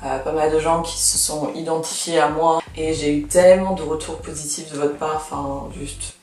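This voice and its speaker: Woman in her 20s, chatty law student vlogger, hoarse from losing her voice, recorded off-mic. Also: sits low, level tone, normal speed, a little mellow, echoey room, far from the mic, slight background noise. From Canada. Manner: chatty, many fillers and restarts. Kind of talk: casual vlog chat.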